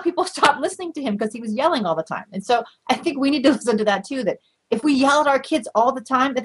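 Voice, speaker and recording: Husky-voiced woman explaining research. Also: mid-range voice, poor audio. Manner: measured, explanatory, with light laughs and fillers. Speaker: research guest. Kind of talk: conversational interview.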